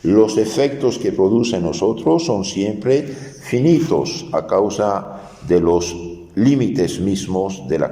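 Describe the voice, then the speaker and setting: A man's voice: sits low, mellow. A man, a priest, giving an earnest, explanatory sermon with restarts. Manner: earnest, explanatory preaching with restarts and dramatized Gospel quotes. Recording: echoey, reverberant hall.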